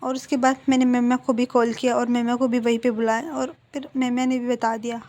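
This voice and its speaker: A woman's voice: a little high, flat delivery, a little fast, a little mellow, natural voice. A woman voicing a clingy young man who earnestly apologizes and pleads with his partner, in a retold fan-fiction story. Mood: explaining.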